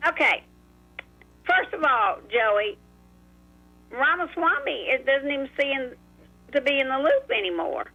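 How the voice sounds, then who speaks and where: A woman's voice: high voice, expressive, measured pace, gravelly, pauses often. A woman in her eighties calling in to a talk radio show, chatty and affectionate, often repeating words. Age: 80s. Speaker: caller. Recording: phone line.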